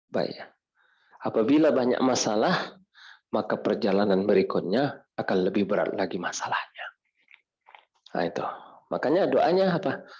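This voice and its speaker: A man's voice: medium pitch, muffled recording. A man preaching a mosque study lecture, reciting Arabic prayers and explaining them, often asking the audience questions. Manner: animated, asks the audience questions and answers them. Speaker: preacher teaching Islamic jurisprudence.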